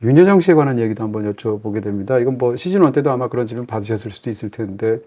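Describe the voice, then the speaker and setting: A middle-aged man asks long, thoughtful questions at a brisk clip. His voice is dark and mellow, and he murmurs soft "mm"s while his guest talks. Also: mid-range voice, animated. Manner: quick, thoughtful questions, frequent soft "mm" backchannels. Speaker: interview host, film critic. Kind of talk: interviewing.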